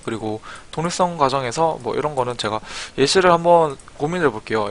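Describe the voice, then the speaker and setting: Lively intonation runs through this man's speech. He talks very fast. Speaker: statistics tutor. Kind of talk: tutorial. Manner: casual, hesitant.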